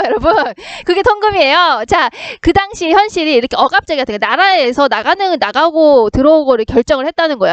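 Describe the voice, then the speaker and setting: A high-pitched young woman teaches literature at a rapid clip, firing off questions and answering them herself. Her voice sits close and dry, with no room sound around it. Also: no echo. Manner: brisk, question-and-answer teaching rhythm, frequent "자" prompts. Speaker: middle school Korean literature teacher. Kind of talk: recorded lesson explaining a worksheet.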